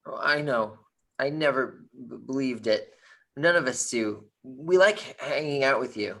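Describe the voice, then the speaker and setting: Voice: medium pitch, a little slow, gravelly, a bit bright. A performer reading an earnest, hesitant teenage boy who stammers, in a virtual table read. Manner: stammers on words.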